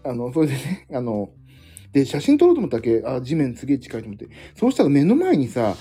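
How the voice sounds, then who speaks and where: A middle-aged man chats loosely and rambles through a solo livestream, joking at his own expense. His voice is mellow and a little husky, and it swings up and down a lot as he talks. Soft guitar music plays faintly behind him. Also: medium pitch, huge pitch swings, quick pace. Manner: rambling, self-deprecating, chatty, jumping between topics. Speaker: livestream host. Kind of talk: casual solo livestream chat.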